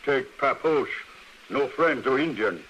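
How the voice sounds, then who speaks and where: An actor playing a blunt, distrustful Plains tribal hunter in an old radio western, speaking clipped broken English in short phrases. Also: male voice, mid-range voice, animated, unhurried, a bit bright, highs cut off. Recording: faintly noisy vintage radio recording.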